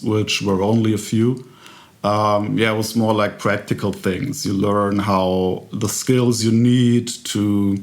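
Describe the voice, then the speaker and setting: Slow, hesitant young man, lowish voice. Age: young adult. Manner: hesitant, many restarts and "um"s. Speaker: education student, interviewee. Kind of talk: casual interview answers.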